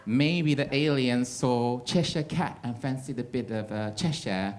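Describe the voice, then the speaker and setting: Wry gay comedian with slight American twang. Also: male voice, medium pitch, unhurried, darkish tone. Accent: non-native English with slight American twang. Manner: dry, wry, chatty with the audience. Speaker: stand-up comedian. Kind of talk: stand-up set. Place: comedy club with live audience.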